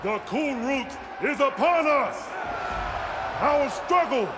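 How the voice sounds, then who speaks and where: A booming tribal chief. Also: male voice, lively intonation, slow, heavily acted. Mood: rousing. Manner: booming proclamations, shouted to a crowd. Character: commanding male tribal chief rallying warriors. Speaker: tribal leader addressing a crowd. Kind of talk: video game cutscene acting. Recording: game audio with loud crowd and noise.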